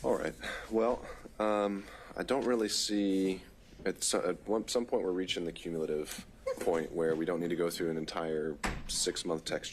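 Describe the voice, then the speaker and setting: A man's voice: low-pitched, slight background noise. A man presiding as judge, giving informal rulings from the bench in a plain-spoken, conversational way. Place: courtroom.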